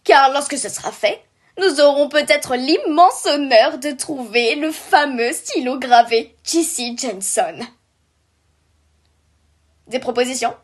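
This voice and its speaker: A woman's voice: high voice, slow pace. A woman playing a female robot squad leader in a cartoon fan dub, chirpy with office jargon and brittle professional composure. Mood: brisk, businesslike. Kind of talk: scripted fan dub of an animated series.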